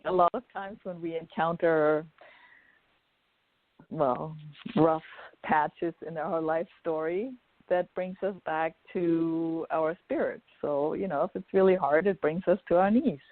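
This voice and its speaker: A woman's voice: sits low, a little slow, dry recording. Woman from Germany on a phone-like call. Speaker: guest. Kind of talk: casual interview talk. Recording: dry, phone-like call audio.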